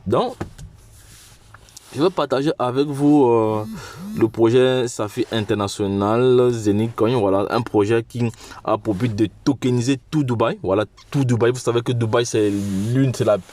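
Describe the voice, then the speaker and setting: A man with a cold giving an informal promotional pitch as a channel host, halting and often repeating his phrases. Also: a little mellow, slight background noise. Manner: halting, repetitive, with frequent restarts. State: has a cold.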